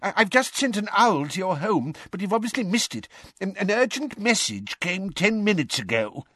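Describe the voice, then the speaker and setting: A man's voice: high voice, sing-song, moderate pace, a bit bright, slightly rough, no echo, studio quality, voice pushed up, full character voice. A man voicing a timid, stooped old wizard who stammers and frets. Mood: flustered. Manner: flustered, stammering. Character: timid panting old male wizard clerk.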